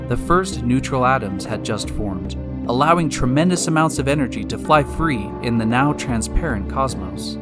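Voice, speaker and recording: A man delivering scripted, dramatized science narration as the guide of a radio drama, explanatory in manner. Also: mid-range voice. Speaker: narrator and time machine guide. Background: loud music.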